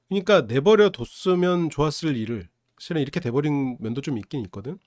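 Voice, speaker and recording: A man speaking as a counselor, with a voice a touch higher than most, unpacks a situation in a casual, explanatory way. He often checks in with rhetorical questions. The sound is dry and close, with no room echo. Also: darkish tone. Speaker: psychology counselor and show reviewer. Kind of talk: casual analytical commentary.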